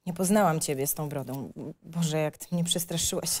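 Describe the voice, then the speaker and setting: A woman's voice: deep voice, normal speed, slight background noise, natural voice. An actress playing a caring, fussing mother with a tender manner in an audio drama script reading.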